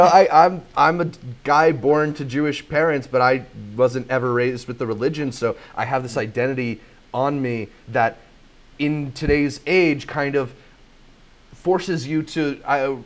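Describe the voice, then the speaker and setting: A young man hosting a casual podcast chat, introducing news segments and talking through his opinions. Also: medium pitch. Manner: leads segments, reads news items smoothly. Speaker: podcast host.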